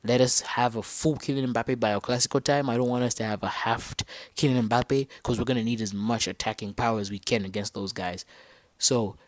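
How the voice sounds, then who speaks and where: A young man from Zambia rambles through his football thoughts on a solo podcast, his voice sitting at a middle pitch. He talks in casual slang and often stops to correct himself. The recording is dry and close, with no room sound. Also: fairly quick, no echo. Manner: animated, slangy, thinks aloud and corrects himself mid-sentence. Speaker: podcast host.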